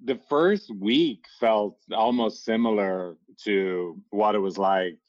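A man's voice: on the low side, slow pace, a little mellow, lo-fi sound. A man with a Dublin Irish accent, a relationship expert guest talking in a thoughtful, wry, self-deprecating way in a podcast interview. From Dublin, Ireland.

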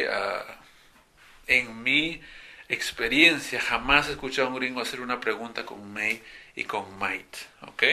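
Bright, playful man teaching English. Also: a little high. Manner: playful, theatrical, switches between Spanish and English. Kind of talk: video lesson explaining English grammar.

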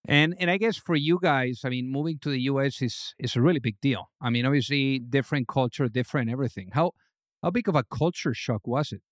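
A man's voice: brisk, no echo, studio quality. A male podcast host who opens the show with enthusiasm and asks his guest questions, often repeating words as he forms them. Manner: enthusiastic, rising pitch on greetings. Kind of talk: upbeat interview hosting.

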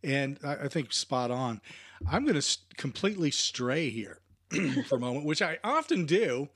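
A man hosting a sports podcast, friendly, stammering a little and clearing his throat often. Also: medium pitch, sing-song, moderate pace, a bit bright, no echo, studio quality. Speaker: podcast host. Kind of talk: casual interview chat.

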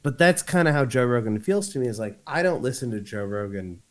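A man's voice: medium pitch, animated, a little fast. A young man co-hosting a podcast in casual chat, swearing freely and laughing often. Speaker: podcast co-host.

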